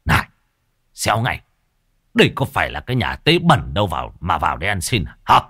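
A harsh, greedy old landowner, acted by a male narrator. He talks in a gruff, bossy bark. His voice swings widely as he scolds. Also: deep voice, huge pitch swings, brisk, bright, forceful tone, no room sound, clean studio sound, exaggerated voice. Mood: angry.

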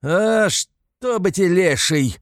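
A man's voice: high-pitched, expressive, slow, no echo, studio quality, voice pushed up. A man voicing a drunken, brutal peasant cart owner, bellowing and raucous. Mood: raging.

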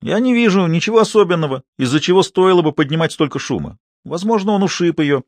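A gruff, greedy troupe manager in a storybook reading, put on by a man. He blusters and swears in a raised, pushed-up voice. The recording is dry and close. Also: high-pitched, animated, fast talker, no echo, voice pushed up. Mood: dismissive. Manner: blustering, cursing.

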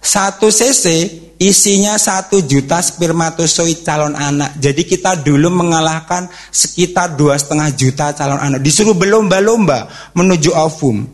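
A man gives a religious talk to teens and their parents. His voice sits a little high and swings widely as he asks the room questions. He talks in a lively, way. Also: normal speed. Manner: animated, acts out quotes and cheers, asks the audience questions. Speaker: youth counselor giving a talk.

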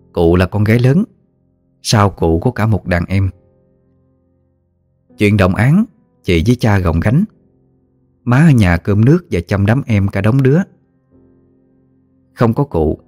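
A man narrating a ghost story in a measured, plaintive way. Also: fairly low pitch, mellow, no room sound.

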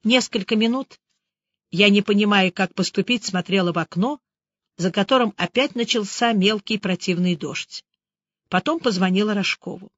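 Woman reading a first person audiobook, lively and wry, dry dull sound. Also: mid-range voice, normal speed, no room sound. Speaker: audiobook narrator.

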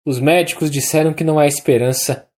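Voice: medium pitch, fairly even intonation, brisk, darkish tone, natural voice. A narrator with a Brazilian accent playing a tearful young man, speaking in an earnest, begging tone. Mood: pleading. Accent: Brazilian Portuguese.

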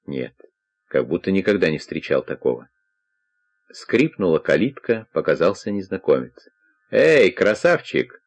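A man narrating a crime novel as an audiobook in a steady, measured reading. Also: sits low.

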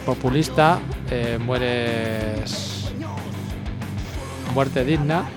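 A man's voice: mid-range voice, drawn-out words. A man from hosting a casual radio show, chatty and jokey, laughing often with his co-host over background music. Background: music playing.

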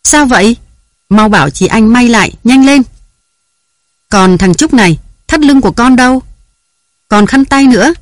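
A reader voicing a harried young mother who scolds her children in a raised, hurried voice. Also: mid-range voice, dark tone, no room sound, studio quality, natural voice. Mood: scolding, frantic. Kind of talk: audiobook character voice.

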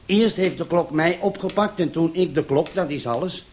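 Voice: mid-range voice, normal speed, darkish tone, a little hiss or hum, lightly acted. A performer in a Dutch radio play voicing a meek, plain-spoken junior sidekick in a laconic way. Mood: dry, stubborn.

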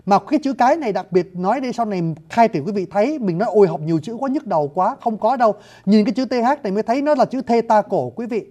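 A lecturer on scripts and languages explains at length in a spoken lecture, often turning to address listeners directly. The voice is medium-pitched and mellow.

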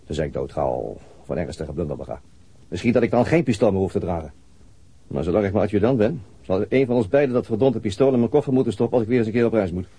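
A man's voice: on the low side, lively intonation, fast, warm tone, breathy edge. An actor playing a weary middle-aged detective and father, laconic and dryly sardonic, in a naturalistic radio play. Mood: irritated, sardonic.

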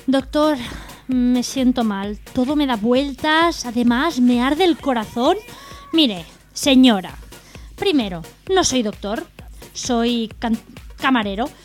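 A woman co-hosting a radio humor show, reading jokes aloud in a brisk, even way. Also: fairly high pitch, soft background music.

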